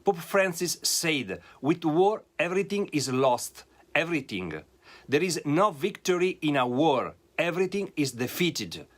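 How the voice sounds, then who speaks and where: A solemn, deliberate man speaking in an interview as head of a religious radio service. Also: fairly high pitch, big pitch swings, fairly bright tone.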